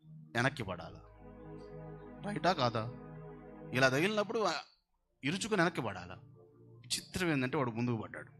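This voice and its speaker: Animated preacher over music. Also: male voice, on the high side. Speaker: pastor. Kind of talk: sermon. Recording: music behind the voice.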